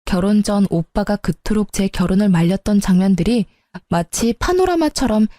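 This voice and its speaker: Woman narrating a story radio tale, mellow voice, dry close mic. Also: medium pitch, animated, moderate pace, dry recording. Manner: first-person storytelling, indignant in dialogue.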